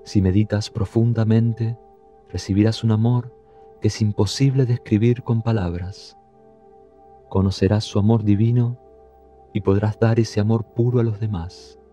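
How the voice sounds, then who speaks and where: A man leading a guided meditation, giving calm, soothing, unhurried instructions. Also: lowish voice, soft background music.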